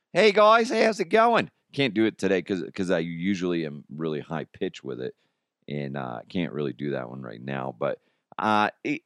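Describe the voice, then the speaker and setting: Male host, low pitch, slightly strained voice, casual rambling anecdotes, very dry close recording. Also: clear, resonant tone, dry recording. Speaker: podcast and radio host.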